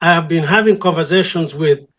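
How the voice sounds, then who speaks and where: An older man with a Ugandan accent, a church elder speaking reflectively and deliberately as an interview guest, repeating phrases for emphasis. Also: a little high, fairly bright tone, highs cut off. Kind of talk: reflective conversation.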